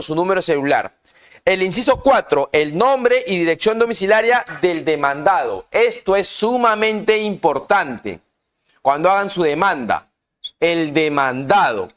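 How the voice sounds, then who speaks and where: A man teaching a law workshop, speaking deliberately, stressing key words and putting questions to his students. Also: sits high, a bit bright. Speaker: law instructor. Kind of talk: lecture to students.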